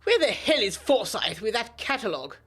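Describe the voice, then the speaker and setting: Woman voicing an imperious, creaky upper-class man. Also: fairly high pitch, big pitch swings, a little fast, fairly bright tone, faint music behind, voice pushed up, heavily acted. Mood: impatient.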